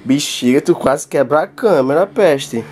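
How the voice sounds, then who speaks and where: A man's voice: on the high side, expressive, measured pace, darkish tone. A young man pranking his partner for a casual vlog, teasing her and laughing between dramatic exclamations. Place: inside a house at night. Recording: noisy handheld home recording.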